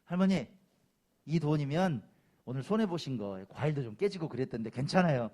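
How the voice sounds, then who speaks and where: A pastor voicing a kind young office worker who speaks in a soft, reassuring way. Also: male voice, a little high, animated, a little fast. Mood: gentle.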